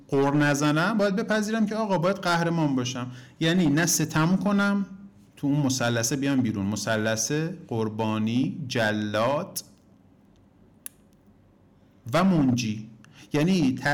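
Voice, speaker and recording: A man of middle pitch coaches the students on his course, talking straight to them as if in class. He leans on his points by swinging his voice up high and dropping it low. He slips in anecdotes and plays out the voices in them. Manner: emphatic, swings pitch up and down for emphasis; addresses listeners directly as "kids". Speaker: relationship coach teaching a course.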